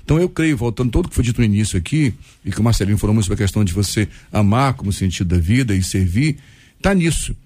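Man in his fifties, mellow dark tone, warm and personal, recorded dry. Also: lowish voice, animated, very fast, no echo. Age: 50s. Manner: warm, personal, quotes books. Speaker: panel guest. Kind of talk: Christian radio discussion panel.

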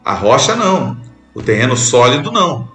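A man from Brazil preaching a sermon as a bishop, earnest, repeating phrases for emphasis and pausing between them. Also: medium pitch, big pitch swings, pushed and bright, roomy sound, soft background music.

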